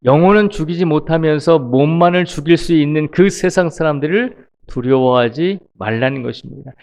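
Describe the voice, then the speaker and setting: Slow, deliberate male pastor preaching. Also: a little high, a little mellow. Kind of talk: early-morning sermon.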